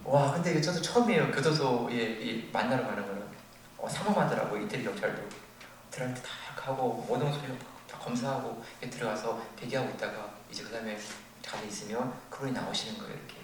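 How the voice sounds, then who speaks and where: An older man preaching a sermon as a pastor, telling a story with animated, acted-out quotes. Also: medium pitch, fast. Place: church sanctuary. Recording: very echoey, distant from the mic, faint noise.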